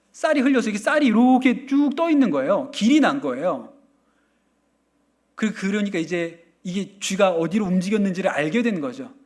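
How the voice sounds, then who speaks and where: A middle-aged male pastor preaching with a fairly high voice. He tells stories in an animated way, drops playful asides and imitates what others say. His delivery swings between loud, quick bursts and softer stretches. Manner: animated storytelling with playful asides and mock quotes. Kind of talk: sermon.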